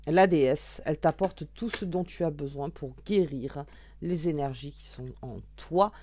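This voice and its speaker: A woman reads tarot in a warm, low voice at a measured pace, talking casually as she shuffles and draws, full of fillers, restarts, and thinking out loud. Slight background noise is audible.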